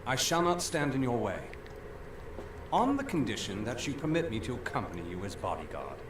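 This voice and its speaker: Protective loyal male bodyguard, lively intonation, courteous, formal, fantasy game, distant and roomy. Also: medium pitch, brisk. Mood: concerned, loyal. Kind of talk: fantasy video game voice acting. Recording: echoey distant game audio, faint noise.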